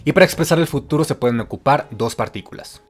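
Man explaining a language in a scripted voice-over, mid pitch, faint music behind. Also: fast. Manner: clear explanatory, listing examples. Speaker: language teacher. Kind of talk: scripted narration.

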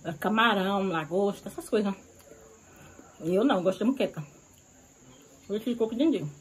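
A woman's voice: medium pitch, a little fast, poor audio. Bahian woman, 30s, food vlogger, casual chat between bites, outdoor porch, faint noise. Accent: Bahian Brazilian Portuguese. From Bahia, Brazil. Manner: chatty, savoring food between remarks. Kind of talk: casual eating vlog. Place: outdoor porch of a rural house.

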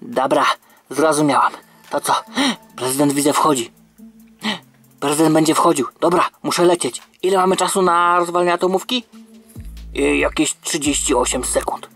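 A man's voice: fairly high pitch, moderate pace, pauses often, a bit bright, faint music behind. Male VO doing a brash cartoon female agent, casual and cocky. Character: cocky female secret agent toy figure.

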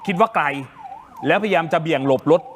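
A man anchoring the news, commenting in a lively, conversational way and speaking directly to viewers. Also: on the high side, brisk, big-room sound, slight background noise. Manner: animated, talks to viewers directly.

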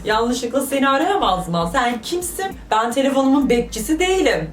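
A woman's voice: high voice, brisk. Brief: young woman vlogger, exclamatory comic commentary, recorded at a distance from the mic. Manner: animated, joking, exclamatory. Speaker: vlogger reading viewer stories. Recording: roomy, voice from off the mic.

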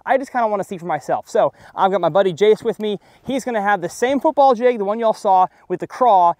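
A young man talks through a day of bass fishing from an open boat, his voice swinging widely up and down as he cheers and jokes. The sound is dry, caught outdoors by a camera on the deck. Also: quick pace, no room sound. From Texas. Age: young adult. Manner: excitable, jokey, exclaims at catches. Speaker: fishing video host. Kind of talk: casual fishing vlog commentary.

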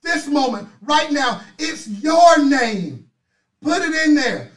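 A middle-aged man with a hoarse voice hosting a motivational livestream, loudly rousing viewers and calling out their names. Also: extremely high pitch, sing-song, slow pace. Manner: loud, rousing, chanting names. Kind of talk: energetic motivational pep talk. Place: indoors at a desk, virtual city background. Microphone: webcam on a video stream. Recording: echoey, distant mic.

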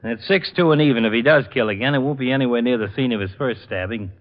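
An American man playing a gruff, world-weary police lieutenant in a 1950s radio drama. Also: mid-range voice, fast talker, natural voice. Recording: dull, noisy old radio recording with clicks.

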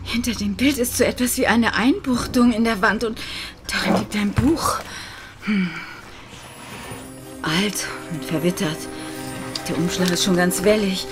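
A woman's voice: mid-range voice, a little slow, long pauses, natural voice. An actress playing a frightened young woman trapped in a haunted house in a radio horror drama, anxious and pleading. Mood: hushed. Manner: anxious, pleading, murmuring to herself. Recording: music bed behind the voice.

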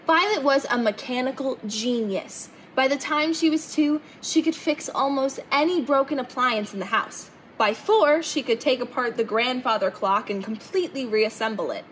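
Young woman, high voice, children's story read-aloud, clear background noise in the room. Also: normal speed, few pauses. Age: young adult. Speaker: storybook reader. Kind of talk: reading a children's picture book aloud. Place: indoor hangar-like museum room, seated in open cockpit.

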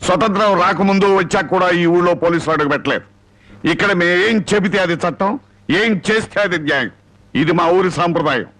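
A man's voice: sits high, quick pace, a bit bright, rough recording. An actor playing a domineering village headman who threatens an outsider, in a film soundtrack with music behind. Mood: threatening. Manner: threatening, commanding.

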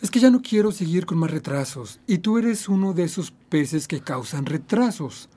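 A man's voice: sits high, expressive, normal speed, warm tone, husky. A man voicing an anxious, uptight father clownfish in a classroom cartoon dub, speaking in a hesitant, stammering, fretful way. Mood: awkward. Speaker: dubbing student. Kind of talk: classroom dubbing of an animated film.

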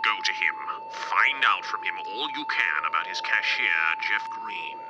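An actor playing a mysterious, menacing avenger in an old-time radio drama, speaking ominously and often dropping to a whisper. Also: male voice, on the low side, huge pitch swings, unhurried, heavy background noise. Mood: secretive, commanding. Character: mysterious menacing crime-fighting avenger with sinister laugh. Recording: muffled old-radio sound, loud music.

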